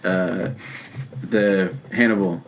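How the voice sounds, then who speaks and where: Male podcast co-host, lower-pitched, casual and rambling, quick to laugh. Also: steady tone, a little hiss or hum, low-quality recording. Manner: halting, rambling, prone to laughter. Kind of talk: casual film and TV chat.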